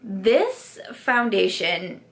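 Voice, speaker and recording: A woman's voice: medium pitch, big pitch swings, extremely slow. Chatty woman vlogger with a sore throat. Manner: chatty, frank, filler-heavy with likes. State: losing her voice from a sore throat. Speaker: beauty vlogger. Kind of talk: casual product review.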